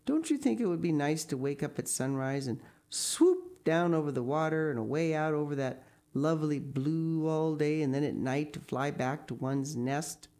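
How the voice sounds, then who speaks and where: Eager imaginative girl, wistful, rambling, low mellow tone, from a woman reader. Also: normal speed, few pauses. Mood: dreamy. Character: dreamy talkative orphan girl, imaginative.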